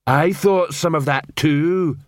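A man voicing a big, slow-witted troll watchman in an audiobook, speaking haltingly. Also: on the high side, no room sound, studio quality, voice pushed up. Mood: ponderous.

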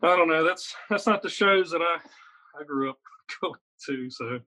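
A man in his thirties from Virginia, talking as a guest in a casual interview, rambling and energetic with lots of fillers. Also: on the high side, normal speed. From Virginia, USA. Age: 30s. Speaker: guest, metal guitarist.

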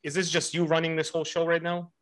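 Fast-talking man hosting a casual interview. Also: a little high, completely flat delivery, fairly bright tone. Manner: informal, encouraging, repeats himself. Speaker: podcast host, interviewer.

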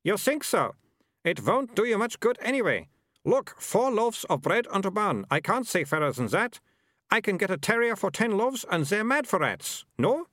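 Man putting on a high-voiced haggling townsman. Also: very animated, normal speed, a bit bright, dry recording, studio quality, heavily acted. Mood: pushy haggling. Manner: pushy, salesman-like questioning. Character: nosy, wheedling, haggling townsman.

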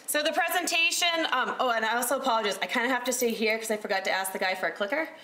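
A woman in her thirties giving a casual talk as a recreational therapist, loud-voiced and chatty with lots of fillers. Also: fairly high pitch, very fast, a little hiss or hum. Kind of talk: casual talk to a small audience. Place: room with a presentation screen.

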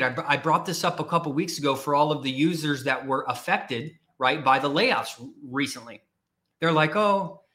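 A man's voice: a little high, sharp tone. A man speaking as a career coach in a blunt, emphatic motivational talk, repeating his points.

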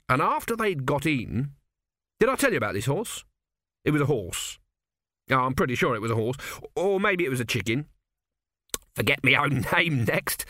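A man's voice: mid-range voice, a bit bright, no room sound, studio quality. A man voicing a forgetful old male storyteller who rambles, loses track and corrects himself. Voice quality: muddled, meandering, losing the thread.

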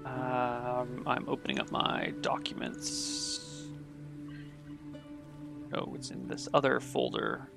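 An American man running a livestreamed tabletop game as game master, relaxed and chatty, thinking aloud with plenty of ums. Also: medium pitch, slow pace, creaky, long pauses, over music. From United States.

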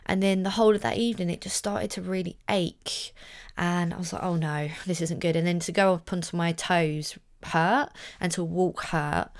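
A young woman hosting her podcast, talking casually with a husky voice hoarse from shouting, telling a rambling story. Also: fairly low pitch. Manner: chatty, rambling storytelling with fillers. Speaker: podcast host. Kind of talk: casual solo podcast chat.

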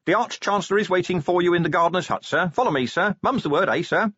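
A man's voice: high-pitched, fast talker, breathy edge, no echo, lo-fi sound, pitched above the performer's own voice. A man voicing a nervous, deferential university porter with a furtive, obsequious manner in an audiobook. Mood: furtive, startled. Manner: hushed-conspiratorial, obsequious, repeats "sir".

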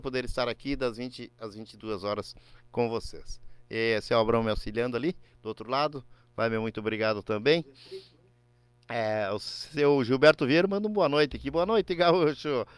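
A man's voice: medium pitch, normal speed, clear, resonant tone, no echo. Folksy gaúcho radio host man. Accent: Rio Grande do Sul gaúcho. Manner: folksy, rambling, slangy greetings. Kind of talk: regional radio show sign-off with listener shout-outs.

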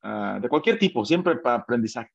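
Mexican man, interview guest, lively anecdote teller who voices the people in his story, slightly muffled recording. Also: medium pitch, fairly quick, creaky. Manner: animated, acts out quoted dialogue, many fillers and restarts.

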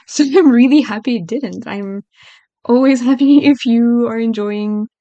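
A woman's voice: fairly high pitch, measured pace, warm tone, no room sound, dull audio. A woman co-hosting a music podcast in casual chat, often hesitant and correcting herself, giggling between thoughts. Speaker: podcast co-host.

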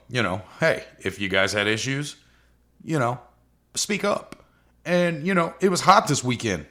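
A man who races cars, hosting his own podcast in loose, rambling casual talk, his voice scratchy and rough today. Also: on the low side, fairly bright tone. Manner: loose, rambling, frequent fillers. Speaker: podcast host and drag racer.

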